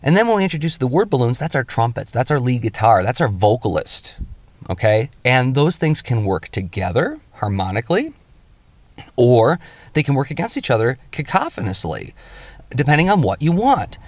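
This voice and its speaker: A man's voice: medium pitch, big pitch swings, moderate pace, no echo. A man giving an informal spoken tutorial as a show host, thinking aloud conversationally and shifting his voice emphatically to stress points. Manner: conversational, thinking aloud with frequent self-interjections. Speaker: comics artist hosting a lettering show.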